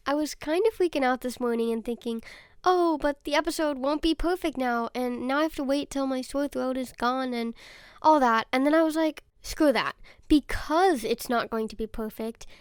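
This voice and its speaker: A young woman with a high voice hosts her own podcast, slightly raspy and nasal from a cold. She speaks earnestly and personally, recorded close and dry with no room sound. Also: dry recording. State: sore throat and stuffy nose. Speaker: podcast host. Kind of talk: solo podcast monologue.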